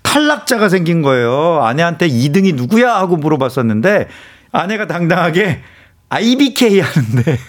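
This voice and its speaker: Animated male radio guest reading stories. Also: a little high, normal speed. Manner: animated storytelling with laughing asides. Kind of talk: casual radio chat reading listener stories.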